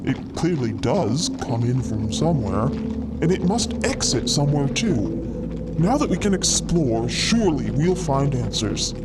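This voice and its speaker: A man voicing an excitable, frog-like cosmic explorer who lectures wordily in a fiction podcast. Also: mid-range voice, unhurried, very noisy. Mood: eager. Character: eager, frog-like male cosmic explorer, gleeful theorizing savant. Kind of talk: acted fiction podcast dialogue.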